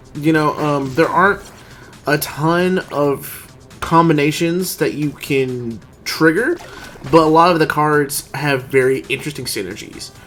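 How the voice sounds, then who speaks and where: A man talks at a fairly slow pace with a fairly high pitch. Music runs in the background. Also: ordinary pitch variation. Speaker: game reviewer and aspiring indie developer. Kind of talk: game review talk. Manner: soft-spoken.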